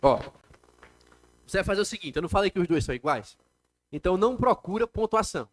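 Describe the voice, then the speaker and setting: A man's voice: high-pitched, lively intonation, fast. A man with a Brazilian Portuguese accent teaching a live classroom lecture, explaining step by step and asking the class questions. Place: classroom with students.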